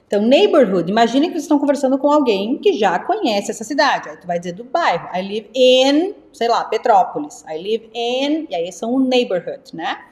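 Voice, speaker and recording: A young woman from teaching English live, lively and repeating words slowly for her students. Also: a little high, echoey room. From Brazil. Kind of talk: live online English lesson.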